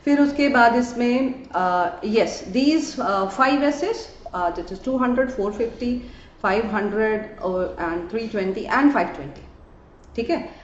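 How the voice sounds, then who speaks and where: A woman's voice: on the high side, slow. Woman teacher, roomy lo-fi recording. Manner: mixes Hindi with English phrases, addresses students as "beta". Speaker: audit teacher. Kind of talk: exam tips lecture. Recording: dull roomy lo-fi recording with faint hiss.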